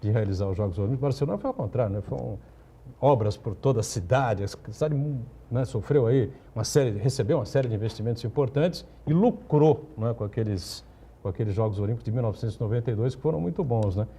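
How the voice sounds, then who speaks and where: A man hosts a television talk show in a loose, conversational manner. His voice is very dark and warm with a husky grain, and he often checks in with quick tag questions. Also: medium pitch, lively intonation.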